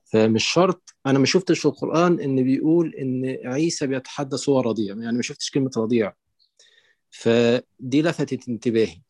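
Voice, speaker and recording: A man with an Egyptian accent calling in to an online lecture, setting out his view slowly through many fillers and restarts. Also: medium pitch, a little mellow, no room sound. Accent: Egyptian Arabic. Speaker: caller. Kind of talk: call-in question on an online lecture.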